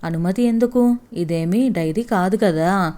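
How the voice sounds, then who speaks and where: A woman's voice: mid-range voice, measured pace, warm tone, natural voice. A woman voicing an affectionate young husband in a read-aloud story, teasing and coaxing his wife. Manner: teasing, pleading.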